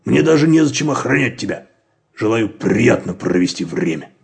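A man voicing a grudging male guard dog in a storybook, talking slowly and grumbling. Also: on the low side, big pitch swings, vocal fry, husky, heavily acted. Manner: slow, grumbling. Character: gruff grudging male watchdog.

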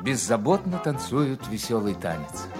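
Plucked guitar plays clearly behind a solemn male narrator played by an actor. His voice sits at a medium pitch as he delivers scripted, dramatic narration for an audio play. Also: sing-song, moderate pace, natural voice. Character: solemn male narrator describing a stage scene. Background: guitar music.

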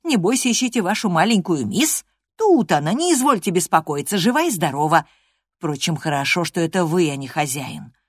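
A woman's voice: on the low side, big pitch swings, brisk, slightly rough, dry recording, clean studio sound. A woman voicing a kindly, folksy village housemaid in a storybook reading. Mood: reassuring.

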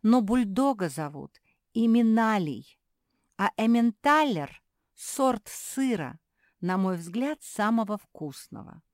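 Casting: woman reader as savoring, food-loving creature girl, unhurried. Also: mid-range voice, animated, darkish tone, dry recording, clean studio sound, pitched above the performer's own voice. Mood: relishing. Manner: relishing, savoring.

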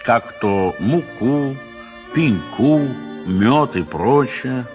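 A man narrating a literary audio play in an expressive, measured theatrical manner with deliberate pauses. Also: mid-range voice, soft background music. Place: recording studio.

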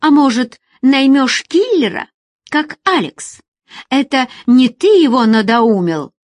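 A desperate woman begs through tears in a high, trembling voice, as a female narrator puts her on. She is a heartbroken lover in a spoken story, her words weepy and urgent. The sound is dry and close. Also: unhurried, darkish tone, no echo. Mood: bitter. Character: tearful pleading woman, desperate former lover.

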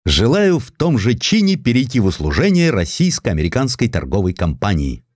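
Man acting an impassioned, low-voiced naval officer. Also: wildly swooping pitch, brisk, no room sound, studio quality. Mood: resolute. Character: restless, sentimental young Russian naval officer of the 1800s.

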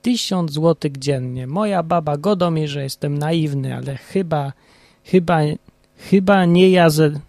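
A man voicing a naive young highland farmhand who speaks earnestly in a Polish highlander dialect. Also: unhurried, vocal fry, darkish tone, dry recording.

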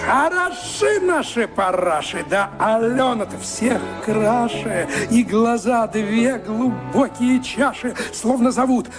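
A man's voice: very high-pitched, animated, takes it slowly, hardly any pauses, over music. A man narrating a rhymed folk tale for a radio play in a playful, declamatory theatrical manner. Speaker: storyteller.

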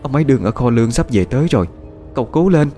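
A grieving noble lady, voiced by a man, speaks in a choked, coaxing voice. Her voice rises and falls widely in this audio story, with soft music behind. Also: mid-range voice, animated, fast, voice pushed up, natural voice.

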